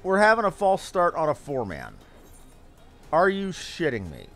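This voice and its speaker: Lively, higher-pitched man streaming a game. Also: unhurried, soft background music. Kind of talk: casual live gaming commentary.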